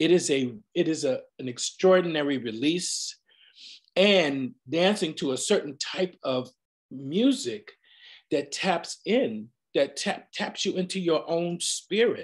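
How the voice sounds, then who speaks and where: Against a quiet background, a man with an American accent talks at a very slow pace with lively intonation. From New York, Mount Vernon; New York. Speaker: singer and workshop facilitator; workshop facilitator. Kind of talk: interview. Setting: video call. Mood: warm, enthusiastic. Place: home room. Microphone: video call.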